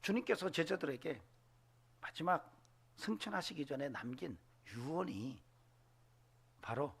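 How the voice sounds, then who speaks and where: A man preaching a Sunday sermon, animated, acting out voices and dropping to whispers. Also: a little high, a little slow, gravelly, slightly rough. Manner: animated, acts out voices in quotes, drops to whispers. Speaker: pastor. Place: church sanctuary.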